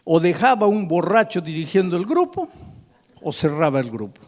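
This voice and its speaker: An older male pastor telling a story in a sermon, acting out the dialogue and building to loud, passionate peaks. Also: high voice, moderate pace. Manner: animated, acts out dialogue, builds to loud climaxes.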